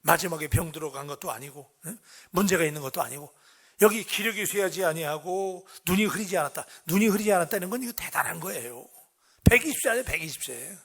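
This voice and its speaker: A man's voice: fairly high pitch, expressive, fast talker, fairly bright tone. A middle-aged man preaching a dawn sermon in a church, talking conversationally and tossing questions to the congregation. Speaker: pastor. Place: church sanctuary.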